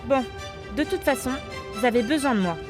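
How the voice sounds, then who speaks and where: A proud, sharp-tongued female pirate mapmaker, played by an actress, fairly high and very animated. She is sarcastic and sure of herself, in comic audio drama style over clear music. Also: a little fast, close to an everyday voice. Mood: smug. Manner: sarcastic, self-assured.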